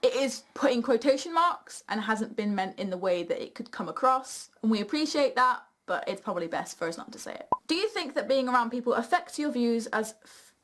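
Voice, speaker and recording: Young British female host, higher-pitched voice, casual and frank, opinionated conversational delivery. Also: fairly quick, hardly any pauses, slight background noise. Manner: blunt, sweary, animated storytelling. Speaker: video host reading viewer questions.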